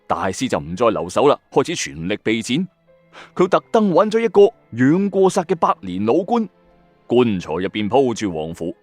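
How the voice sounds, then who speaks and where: A man with a Hong Kong Cantonese accent tells a spooky tale as the host. His pitch swings in a lively way, building suspense with colloquial asides. The voice is dry and close, with music playing underneath. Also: dry recording. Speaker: host of a ghost story audio channel. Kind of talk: dramatic late-night storytelling narration. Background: background music.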